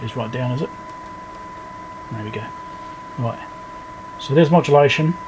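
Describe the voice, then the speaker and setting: This repair video host is a man speaking informally at his indoor electronics workbench, musing aloud while he works through a hands-on fix. His mid-range voice moves a little slowly, and there's noise in the background.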